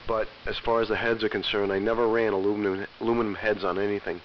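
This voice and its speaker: A man's voice: fairly low pitch, level tone, fast. An American man, middle-aged and getting over a cold, chatting casually and plainly as a ham radio operator over shortwave AM. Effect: shortwave AM radio transmission. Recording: muffled, hissy shortwave radio reception. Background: faint static hiss.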